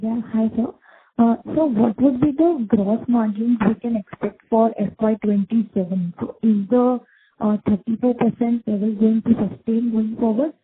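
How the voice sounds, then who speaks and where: A woman's voice: on the high side, steady tone, moderate pace, a little hiss or hum. A woman with an Indian accent asking questions as an analyst on an earnings conference call. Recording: narrowband phone line.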